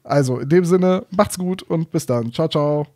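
A man's voice: a little high, unhurried, mellow. A man hosting a podcast, chatting casually in an interview and often searching for his words. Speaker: podcast host.

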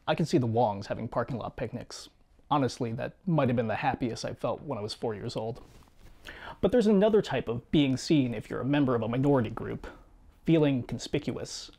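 A man in his thirties reading a scripted personal video essay in a measured, reflective way, seated in a small home studio. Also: medium pitch, lively intonation, creaky. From United States. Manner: measured, reflective storytelling with quiet asides. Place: small home studio room with guitars and shelves.

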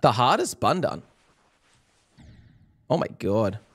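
A young man streaming a game live, excitable and worn-voiced, swinging from mumbles to yells. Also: medium pitch, slow pace, breathy edge. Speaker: gaming streamer. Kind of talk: live-streamed gameplay chat.

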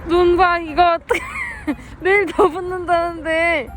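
A woman's voice: very high-pitched, fairly even intonation, unhurried, fairly bright tone, soft background music. A woman vlogging casually, whining and laughing at herself as she complains. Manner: whiny and self-mocking, laughing through complaints. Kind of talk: casual vlog chat. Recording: noisy street background.

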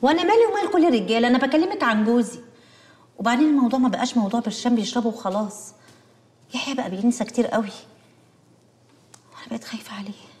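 An actress with an Egyptian accent playing a devoted, anxious young wife who pleads emotionally. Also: female voice, fairly high pitch, expressive, racing, a little mellow, lightly acted. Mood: pleading. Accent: Egyptian Arabic. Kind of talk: TV drama acting.

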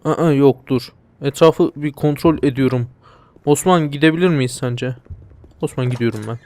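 A man's voice: medium pitch, normal speed, darkish tone. A young man casually commenting on a video game, joking and talking back to the characters and the viewers. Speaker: let's play commentator.

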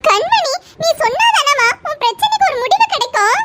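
A woman voicing a caring older sister in a cartoon who gently questions and coaxes. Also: very high-pitched, sing-song, normal speed, background noise. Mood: coaxing. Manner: coaxing, questioning. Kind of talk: cartoon voice acting.

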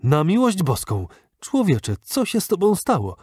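A man's voice: fairly high pitch, expressive, moderate pace, darkish tone, dry recording, studio quality. A man voicing a flustered middle-aged male doctor in an audiobook, speaking urgently in a raised voice. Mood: alarmed.

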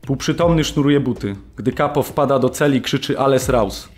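A man's voice: mid-range voice, moderate pace, natural voice. An actor voicing a serious male camp prisoner, narrating memories in a scripted radio drama.

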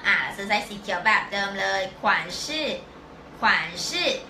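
Bright echoey woman teaching a language. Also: medium pitch, flat delivery, a little hiss or hum. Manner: slow, drawn-out repetition of words for learners; patient, explains step by step, checks understanding. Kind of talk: live-stream language lesson. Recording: echoey room.

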